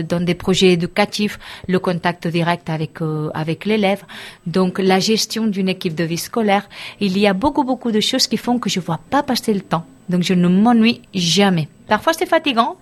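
Hesitant middle-aged woman from Barcelona. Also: medium pitch. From Barcelona, Spain. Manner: thoughtful, hesitant, many pauses and restarts. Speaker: school life counselor being interviewed. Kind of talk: casual interview answers.

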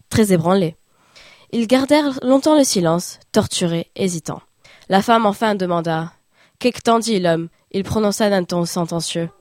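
Measured female audiobook narrator. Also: mid-range voice, darkish tone, no room sound, studio quality. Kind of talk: literary audiobook reading.

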